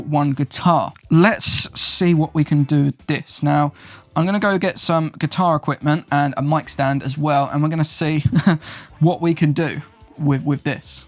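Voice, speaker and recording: A man's voice: on the high side, dry recording. A young man hosting his own channel, chatting casually and upbeat as he explains recording gear step by step. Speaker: YouTube host, videographer and podcast producer. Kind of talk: casual gear tutorial to camera.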